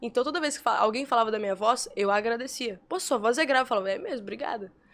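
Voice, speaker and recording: This woman's voice sits fairly high and shifts in pitch in an ordinary way. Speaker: communication coach. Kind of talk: podcast conversation. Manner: animated.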